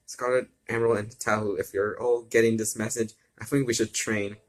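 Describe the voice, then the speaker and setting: A man reads as a solemn father in a fan fiction story. His voice is fairly low and he gives orders deliberately. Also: flat delivery, close to an everyday voice.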